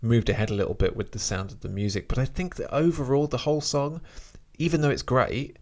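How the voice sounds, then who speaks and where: A man in casual chat about music, talking in a relaxed, hesitant way and sometimes reading a short biography aloud. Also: mid-range voice, fairly quick.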